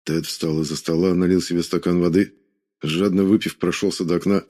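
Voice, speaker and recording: Male narrator, audiobook reading, very low pitch, dark mellow tone. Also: steady tone, fairly quick.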